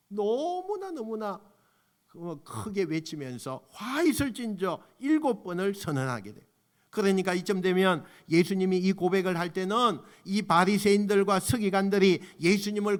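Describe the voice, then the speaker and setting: Impassioned high-voiced Korean pastor. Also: male voice. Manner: swings from soft low asides to loud impassioned exhortation; leads congregation in unison scripture reading. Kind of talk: sermon. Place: church sanctuary.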